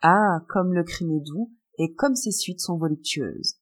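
A woman's voice: lowish voice, measured pace. A woman reading an audiobook and voicing a cruel, lustful male minister with a gloating, callous manner. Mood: rapturous.

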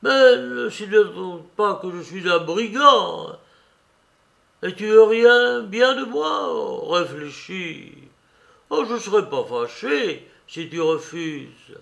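A man voicing a brash condemned gypsy bandit with loud, boisterous, defiant outbursts in an audiobook. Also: on the high side, big pitch swings, takes it slowly, vocal fry, exaggerated voice. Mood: pleading. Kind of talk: audiobook character voice.

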